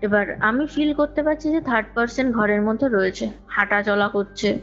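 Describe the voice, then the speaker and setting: A guest recounting her own ghost experience, this woman talks conversationally and at length, repeating phrases for emphasis and mixing in English words. Her voice is on the high side and steady, at a normal speed. Music plays underneath the dull lo-fi call recording.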